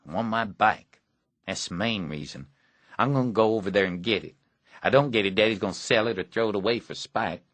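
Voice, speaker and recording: A man's voice: on the low side, a little fast, fairly bright tone, no echo. A man voicing a neglected, bitter rural teenage boy with a blunt, grim drawl.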